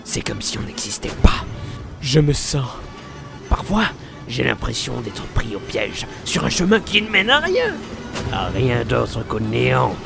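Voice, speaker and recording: Mad clown supervillain for a game dub: slow, creaky, theatrical monologues, menacing yet wistful, over music. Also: male voice, mid-range voice, huge pitch swings, full character voice. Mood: anguished, agitated. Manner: theatrical monologue, breaking into cackles. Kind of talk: French fan dub of a video game scene. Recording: dramatic music behind the voice.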